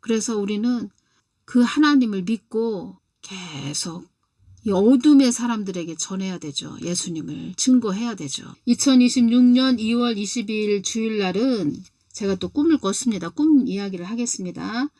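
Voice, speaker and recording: A woman's voice: medium pitch, moderate pace, mellow, no echo. A woman in her sixties giving a spiritual testimony and telling her dream, repeating key phrases with emphasis. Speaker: lay preacher.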